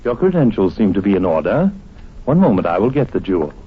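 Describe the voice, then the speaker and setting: An actor playing a formal, cautious male keeper of jewels, deliberate and theatrical in an old-time radio thriller. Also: on the low side, very animated, slightly rough. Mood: formal, wary. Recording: muffled vintage radio, music behind.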